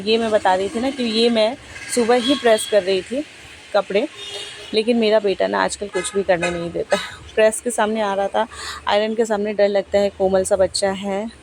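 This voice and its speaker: A woman's voice: medium pitch, a little mellow, poor audio. Chatty woman vlogger with faint background noise. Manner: chatty, rambling, talks fast. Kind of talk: casual vlog voice-over.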